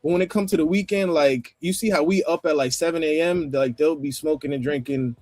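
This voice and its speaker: A man with a New York accent talking casually on a livestream panel, rambling, with restarts and throat clearing. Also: fairly high pitch, fairly quick, a little mellow, no echo, clean studio sound, soft background music. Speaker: panel guest.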